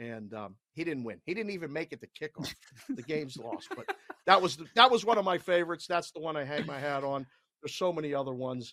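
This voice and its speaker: With a slight Pittsburgh accent, a man speaks at a fairly high pitch in a bright, sharp tone, with lively intonation and big swings in loudness. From Pittsburgh, Pennsylvania. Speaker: sportsbook oddsmaker. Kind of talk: interview storytelling. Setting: video call.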